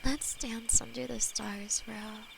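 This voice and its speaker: A woman's voice: a little high, creaky. A woman as a whispering, possessive demon lover. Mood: devoted. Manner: soft intimate whispering, halting. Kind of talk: ASMR audio roleplay. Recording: steady cricket and night noise behind.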